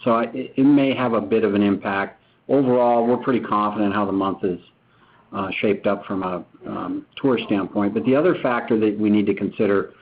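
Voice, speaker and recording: A male company executive answers business questions off the cuff in a fairly low voice. His way of talking is measured and explanatory. He comes through a narrow, tinny phone line. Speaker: company executive on an earnings call.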